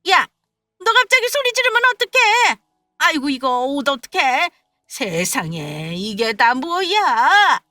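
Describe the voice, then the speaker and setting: A petty older mother-in-law, put on by a woman reading a story, nagging in a high, shrill voice that climbs as she scolds. The sound is dry and close. Faint music plays underneath. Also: lively intonation, unhurried, fairly bright tone, no room sound.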